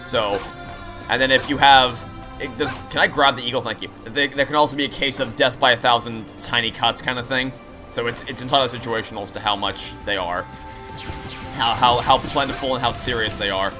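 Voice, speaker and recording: A man giving live playthrough commentary at a middle pitch, talking through his thoughts in an explanatory, analytical manner. Game music plays clearly behind his voice. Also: steady tone, a little fast. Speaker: game streamer. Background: video game music and sounds.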